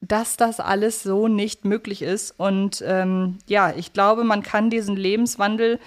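Female podcast co-host, mid-pitched voice, conversational review style. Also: steady tone, unhurried. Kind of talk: casual audio drama review chat.

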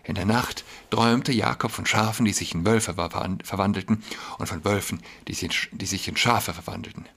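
Husky-voiced man reading a fable. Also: on the low side, a little fast. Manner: expressive reading. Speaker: storyteller.

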